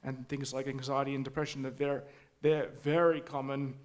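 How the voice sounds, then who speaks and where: A man speaking at a community forum, halting with many restarts and fillers. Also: mid-range voice, little pitch movement. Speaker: forum audience member. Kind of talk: spontaneous public remarks. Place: community hall.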